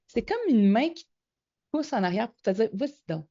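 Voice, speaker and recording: A middle-aged woman with a Québécois French accent speaks a little fast in a voice on the high side. As a guest in a casual interview, she tells her story animatedly, acting out the voices she quotes, on slightly muffled lo-fi audio.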